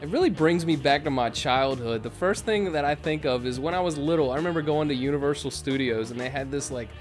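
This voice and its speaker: A man's voice: fairly high pitch, quick pace, soft background music. A man in his thirties giving casual, sarcastic reaction commentary into a desk microphone at home. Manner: sarcastic, animated. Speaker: YouTube commentator. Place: small home streaming room, indoors. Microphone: desk microphone on a boom arm.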